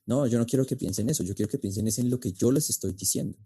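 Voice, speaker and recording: A man's voice: medium pitch, fast talker, warm tone, breathy edge. A man speaking as a podcast guest and speech coach, explaining in an emphatic way with rhetorical questions. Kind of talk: podcast interview.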